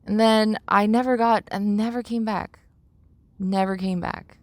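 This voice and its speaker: A young adult woman talking through personal reflections as a podcast host, halting and searching for words as she repeats phrases. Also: medium pitch, steady tone, a little mellow, no room sound.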